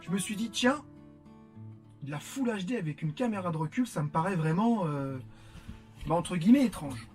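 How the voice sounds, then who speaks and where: A man's voice: sits high, animated, normal speed, pauses often, faint music behind. A man from France chatting casually to viewers while unboxing, with lots of fillers. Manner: chatty, many fillers, warm greetings to viewers. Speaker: vlogger.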